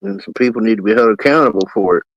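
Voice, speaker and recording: A man's voice: on the low side, sing-song, rapid-fire. A man co-hosting a casual chat, speaking bluntly and plainly with firm opinions. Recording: dull lo-fi dry sound.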